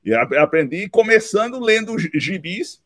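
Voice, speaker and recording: A man, recounting his life story in an interview, unhurried and dotted with tag questions. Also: high-pitched, very animated, fairly bright tone, no echo, studio quality. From Recife, Brazil. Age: 50s. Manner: unhurried, with frequent "né" tags and restarts. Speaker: interview guest, law professor. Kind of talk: relaxed autobiographical interview.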